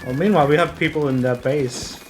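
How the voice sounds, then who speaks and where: A man's voice: fairly high pitch, fairly quick, background noise. A man new to a game, chatting casually on a stream and asking a lot of questions. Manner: curious, asks many questions. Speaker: new player being coached.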